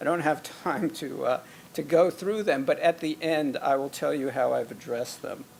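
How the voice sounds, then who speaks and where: The speaker has an American accent and vocal fry. Pitch variation is ordinary. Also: man. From US South. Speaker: professor. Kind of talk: conference talk.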